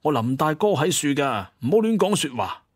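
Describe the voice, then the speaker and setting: A man's voice: a little high, big pitch swings, moderate pace. A man playing a stern, irritable older father, scolding in a Cantonese audio drama. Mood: irritated.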